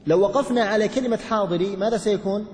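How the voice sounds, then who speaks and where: High-voiced man teaching in a reverberant hall. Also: darkish tone, a little hiss or hum. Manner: explains step by step, quizzes students; recites verses in a slow chant. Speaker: religious teacher. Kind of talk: classroom lesson explaining a poem.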